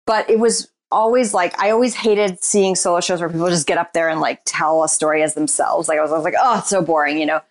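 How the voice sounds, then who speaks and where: A woman with a slightly low voice gives a candid, reflective interview about her work as a writer and performer. Her talk is loose and searching, full of "like" and "you know" as she works out her thoughts. She is a self-described introvert who still opens up easily. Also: fairly even intonation, fast talker, hardly any pauses. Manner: describes herself as shy and introverted.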